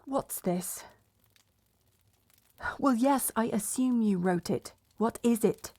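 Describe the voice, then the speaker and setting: A woman's voice: fairly high pitch, slow pace, mellow. A woman playing a proud, blunt betrothed princess in a medieval romance audio roleplay, sardonic and exasperated in manner. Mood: frustrated, angry. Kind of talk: romance audio roleplay acting, addressed to listener.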